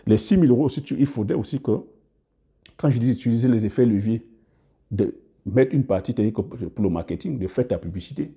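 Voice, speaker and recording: Dark-voiced man giving hesitant advice. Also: medium pitch, a little fast. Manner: hesitant, many fillers and restarts; trails off quietly at phrase ends. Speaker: business coach YouTuber. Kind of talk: casual advice monologue to camera.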